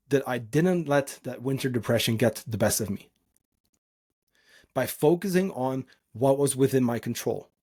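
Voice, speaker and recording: Speaking like a podcasting coach, a Dutch man from the Netherlands delivers informal, earnest, unscripted motivation on his own. His medium-pitched voice is a little mellow with a breathy edge, and he presses his points with emphasis.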